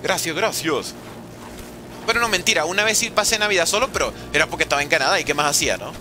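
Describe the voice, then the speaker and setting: A man's voice: fairly high pitch, lively intonation, fast talker, over music. A man, chatting casually and teasing his viewers while streaming a game. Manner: joking, teasing chat with slang. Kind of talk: casual live-stream chat while gaming.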